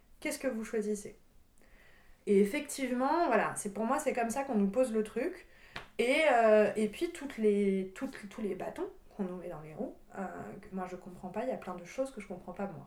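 Over noticeable background noise, the speaker goes at a moderate pace with lively intonation, big swings in loudness, and long, frequent pauses. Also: woman, fairly high pitch for a woman. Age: 20s. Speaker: author and film director. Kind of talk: interview. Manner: halting.

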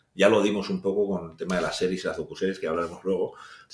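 A man talks at a very fast pace. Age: 50s. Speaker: cycling team executive. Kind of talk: interview. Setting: in-person studio room. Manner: hesitant, with many fillers.

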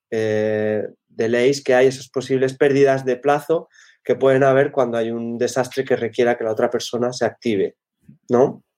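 The man's intonation is monotone and flat. The recording is very clean, with a silent background. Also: medium pitch for a man, moderate pace. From Murcia, Spain. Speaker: freelance analytics and growth consultant. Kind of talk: casual chat. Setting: live video stream.

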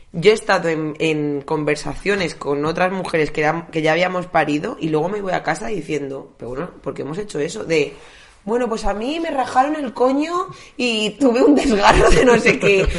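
A woman's medium-pitched voice swings very widely in pitch at a moderate pace. Background noise is noticeable. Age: 30s. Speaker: comedian. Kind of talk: casual chat.

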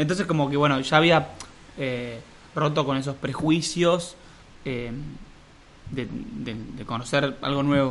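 With audible room echo, a man in a Rioplatense accent speaks at a fairly slow pace and a fairly high pitch, with ordinary pitch variation and long, frequent pauses. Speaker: comedian and podcast host. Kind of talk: casual chat.

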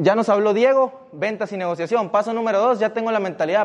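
An animated man talks at a very fast pace in a high pitch with ordinary pitch variation. Noticeable background noise is present. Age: 20s. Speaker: entrepreneur. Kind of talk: motivational talk. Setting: stage with audience.

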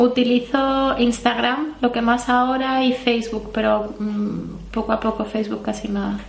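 A woman with a fairly high pitch speaks at a fairly slow pace with hardly any pauses and a flat, monotone intonation, against noticeable background noise and audible room echo. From Madrid, Spain. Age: 30s. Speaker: consultant. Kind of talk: interview answers.

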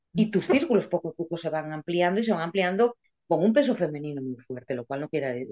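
Her pitch is very deep and low for a woman. She speaks at a fairly quick pace with lively intonation. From Galicia, Spain. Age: 60s. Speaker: journalist and writer. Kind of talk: interview.

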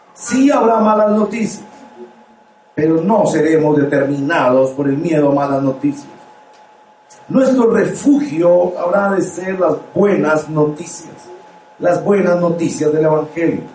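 Fairly slow speech with long, frequent pauses, very even loudness, audible room echo and noticeable background noise. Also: man, high pitch for a man, lively intonation. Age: 50s. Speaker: pastor. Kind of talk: sermon.

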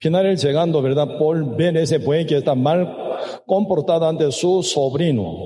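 Amid audible room echo, a man with a fairly high pitch talks at a fairly slow pace with ordinary pitch variation and very even loudness. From South Korea. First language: Korean (speaking Spanish). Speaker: pastor. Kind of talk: sermon. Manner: halting.

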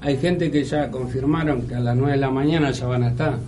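A man speaks with a fairly high pitch. The room echo is audible, and there's noticeable background noise. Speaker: football club supporter and charity organizer. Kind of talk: casual radio chat.

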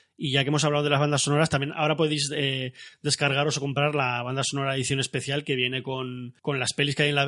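Speaking at a very fast pace with hardly any pauses, a man uses a fairly high pitch, a bright, sharp tone and monotone, flat intonation. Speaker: podcast host. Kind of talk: casual chat.

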